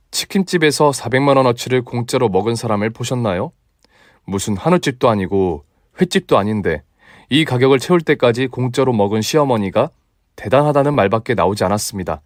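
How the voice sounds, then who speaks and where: A man's voice: medium pitch, dry recording, clean studio sound. A man reading scripted comic storytelling narration as the narrator of a radio story. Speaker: narrator of listener stories.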